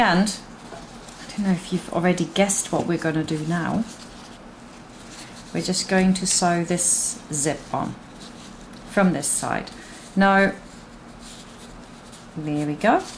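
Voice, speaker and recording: With a German accent, the speaker talks at a very slow pace with long, frequent pauses over noticeable background noise. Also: woman, fairly low pitch for a woman. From Germany. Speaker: seamstress and sewing teacher. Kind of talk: sewing tutorial talk to camera. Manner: casual, upbeat.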